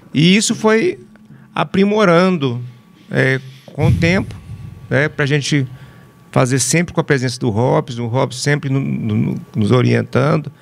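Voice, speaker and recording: There is noticeable background noise as a man speaks at medium pitch and a fairly slow pace. His intonation is lively, broken by long, frequent pauses. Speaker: spiritist musician and composer. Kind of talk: interview conversation. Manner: halting with repetitions.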